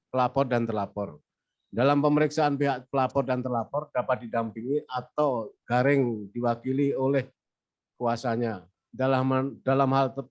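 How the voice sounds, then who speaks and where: A man's voice: medium pitch, a little mellow, dull audio. A man with a cold presenting at a weekly discussion, reading formal legal procedures aloud from slides and moving through them point by point. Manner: reads formal legal text, says next slide between points. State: has a cold.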